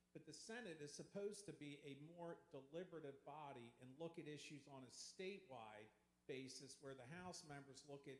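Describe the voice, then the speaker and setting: In a room with audible echo, a man with a fairly high, somewhat breathy voice speaks at a moderate pace with ordinary pitch variation. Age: 60s. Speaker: state senator. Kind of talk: town hall panel remarks.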